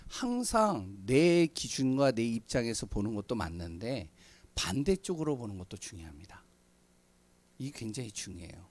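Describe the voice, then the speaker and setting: A middle-aged man preaching a sermon in a church, speaking conversationally with many fillers and frequent throat clearing. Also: mid-range voice, darkish tone. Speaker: pastor. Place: church sanctuary.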